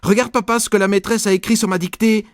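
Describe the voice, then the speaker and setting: A man voicing a boastful, excitable little schoolboy in a storybook reading, with a raised, whiny, indignant voice. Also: high-pitched, fairly quick, no room sound, studio quality, voice pushed up. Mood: eager.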